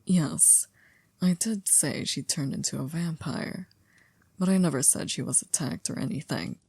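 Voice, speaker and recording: Woman acting a low, breathy, composed household servant. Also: dry recording, exaggerated voice. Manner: polite, measured, gently wry. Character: composed, formal, dryly teasing female household servant. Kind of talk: ASMR roleplay acting.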